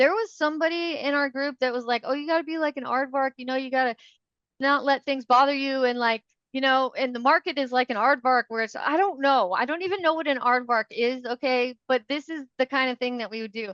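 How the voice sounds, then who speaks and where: With an American accent and a high pitch, a woman speaks at a fairly quick pace in an animated tone with ordinary pitch variation, the sound dry and close with no echo. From Seattle. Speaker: real estate podcast host. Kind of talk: casual chat.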